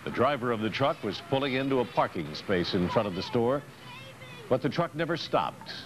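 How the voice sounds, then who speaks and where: Heard on worn, noisy 1990s TV news tape, a man with an American accent delivers scripted narration. He speaks at normal speed with a medium pitch and an animated manner.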